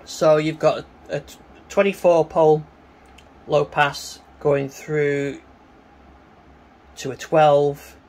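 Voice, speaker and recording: A man giving a casual, hands-on synthesizer demonstration, talking in a halting way as he works. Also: on the high side, steady tone, darkish tone. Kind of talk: casual hands-on gear demo commentary. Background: synthesizer tones.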